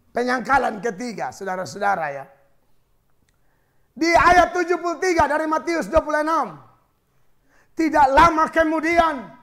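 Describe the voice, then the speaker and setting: A man from eastern Indonesia preaches a sermon. His voice sits very high and has a gravelly edge. He is an animated storyteller who acts out dialogue with humor. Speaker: pastor.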